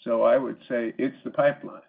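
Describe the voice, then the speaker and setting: A man speaking as a company executive on an earnings call, answering haltingly with repeated words. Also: mid-range voice, flat delivery, creaky. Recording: muffled phone-line conference call audio.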